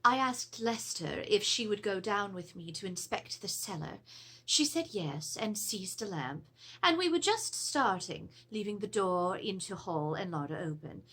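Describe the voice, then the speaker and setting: Casting: actress as genteel Edwardian lady of a haunted house, theatrical dramatic reading, slightly husky, very varied intonation. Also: mid-range voice, unhurried. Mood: grave, uneasy. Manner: formal, theatrical, expressive storytelling. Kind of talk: dramatic reading of a period letter. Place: small room with draped cloth backdrop.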